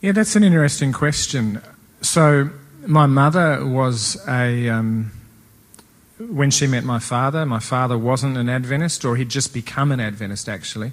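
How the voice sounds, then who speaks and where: Speaking at a moderate pace and medium pitch, a man has an Australian accent. His intonation is lively. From Australia, Melbourne (Victoria). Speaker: church leader. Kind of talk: interview. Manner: hesitant with fillers.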